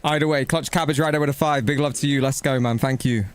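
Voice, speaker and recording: A man's voice: medium pitch, steady tone, quick pace, clean tone. A man giving casual live gameplay commentary and chatting to viewers, blunt, slangy and matey, with some swearing. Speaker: video game streamer.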